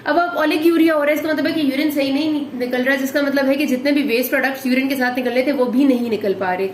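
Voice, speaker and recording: A woman's voice: high voice, fast. A woman lecturing on medicine in a patient, explanatory way, often checking in with students and repeating key points. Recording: echoey room with faint noise.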